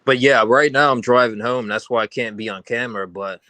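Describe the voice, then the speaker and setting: New York man with a bright, lowish voice. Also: brisk, dry recording. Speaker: call-in guest. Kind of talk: casual chat. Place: in a car while driving.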